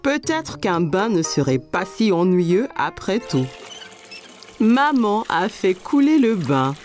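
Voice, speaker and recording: A woman reading scripted narration for a children's story, telling it clearly for young listeners. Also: medium pitch, sing-song, slow pace, a little mellow, faint music behind.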